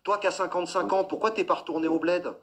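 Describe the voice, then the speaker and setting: A man's voice: high voice, fairly even intonation, fast talker, fairly bright tone. Blunt slangy male stream host. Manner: blunt, slangy, addresses caller as brother. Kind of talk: casual talk on a live stream.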